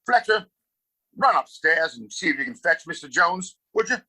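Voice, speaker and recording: A man's voice: fairly high pitch, big pitch swings, moderate pace, pushed and bright, heavily acted. A man playing a domineering, scornful wealthy father and town boss in a Western audio play, condescending and commanding. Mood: surprised, authoritative.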